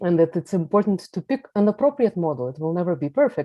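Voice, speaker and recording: In a Russian accent, a woman talks at a fairly quick pace with a fairly low pitch and a dark, mellow tone, the sound dry and close with no echo. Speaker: computer science professor. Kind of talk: panel discussion. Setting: video call.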